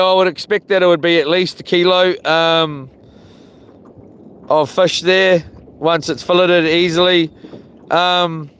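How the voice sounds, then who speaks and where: A man's voice: fairly high pitch, a bit bright. A man with a broad New Zealand accent, chatting casually and rambling along as he hosts a fishing livestream from a boat. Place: outdoors on a small boat. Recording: clear outdoor boat and water noise.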